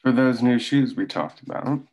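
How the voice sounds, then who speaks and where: A man voicing a cold, controlling man who speaks in curt, quietly menacing lines. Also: mid-range voice, expressive, normal speed, natural voice, rough recording.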